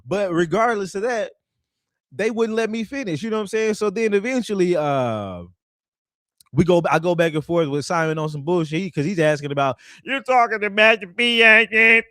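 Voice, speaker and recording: High-voiced man ranting, laughing. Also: normal speed, dry recording, studio quality. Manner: profane, laughing, mocking. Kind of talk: casual ranting commentary.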